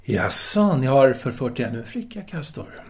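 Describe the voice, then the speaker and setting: An actor playing an earnest, pedantic intellectual in an audio drama, discursive and deliberate, a man devoted to his lover. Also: mid-range voice, big pitch swings, vocal fry, breathy edge, full character voice. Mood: philosophizing, earnest. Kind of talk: audio drama letter monologue and dialogue.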